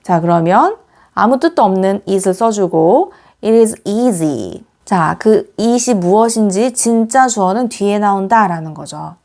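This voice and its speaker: A woman teacher giving an English grammar lesson, explaining step by step and reading the example sentences slowly and clearly. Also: medium pitch, lively intonation, darkish tone. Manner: patient, explains step by step with many "자" prompts.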